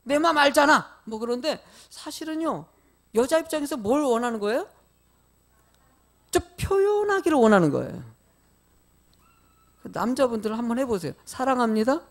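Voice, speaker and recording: A man's voice: very high-pitched, very animated, moderate pace, long pauses. A middle-aged male pastor preaching a sermon, questioning the congregation directly and telling folksy, lightly humorous stories.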